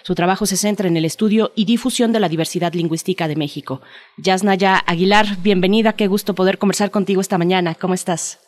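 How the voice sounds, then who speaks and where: A woman's voice: mid-range voice, steady tone, fast talker, dry recording. A woman from Mexico hosting a morning radio talk show, asking questions with many fillers and restarts. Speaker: radio host.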